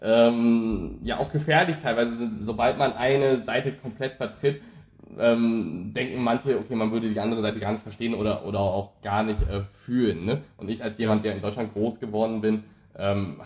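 A man in his thirties, born in Taiwan, joins a podcast as a guest. His voice sits slightly low and he talks in a reflective, hesitant way, full of small fillers and tag questions. The room around him is noticeably echoey. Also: fairly even intonation, moderate pace, darkish tone. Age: 30s. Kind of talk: casual interview conversation.

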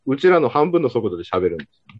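Quick, husky Ibaraki-dialect man. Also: medium pitch, very animated, no echo, dull audio. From Ibaraki, Japan. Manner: quick, joking, laughing often. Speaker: podcast host. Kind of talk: casual podcast chat.

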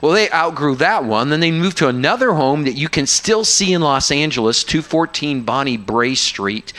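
A man preaching a sermon with a bright, forceful voice that sits a little high for a man. He teaches with lively asides and keeps pulling the congregation in with questions. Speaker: university guest preacher.

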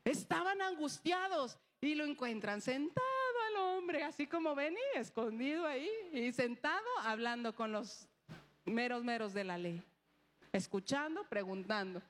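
High-voiced woman preaching with lively stories. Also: unhurried. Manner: animated storytelling, acting out dialogue, rhetorical questions. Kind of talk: sermon with personal story.

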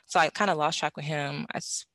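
A young woman talking about learning languages in a casual conversation, animated, with many fillers and frequent laughs. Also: low voice, brisk, dry recording, studio quality.

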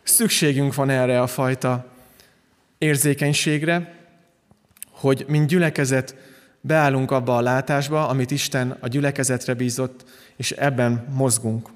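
A man delivering a sermon as pastor, calm and earnest, often restarting his phrases. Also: mid-range voice, in a large hall.

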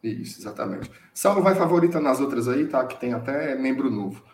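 A man's voice: mid-range voice, animated, brisk, darkish tone, reverberant, a little hiss or hum. A man with a Ceará accent co-hosting a live stream, chatting casually and greeting viewers by name between jokes. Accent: Northeastern Brazilian, Ceará. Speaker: live show co-host and teacher.

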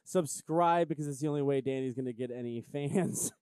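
A man's voice: medium pitch, fairly quick, darkish tone, clean tone, no echo, studio quality. A man co-hosting a podcast in casual banter, teasing his partner and laughing often. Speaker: podcast co-host.

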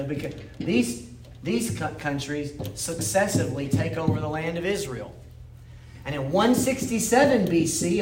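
A man teaching an informal Bible history class in a church room, explaining in a conversational way and often checking in with his listeners. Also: fairly high pitch. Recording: echoey room, faint background noise.

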